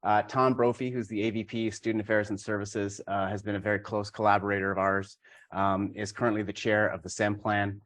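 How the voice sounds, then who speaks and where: A middle-aged university administrator, a man, giving a measured, matter-of-fact conference talk. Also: on the low side, little pitch movement, fairly bright tone.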